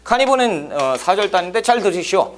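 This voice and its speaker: A haughty male envoy who talks down to a royal court, bossy and blunt, as a man acts him out. The voice sits high and leaps around with lively inflection. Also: brisk. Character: arrogant male Mongol envoy, haughty and demanding.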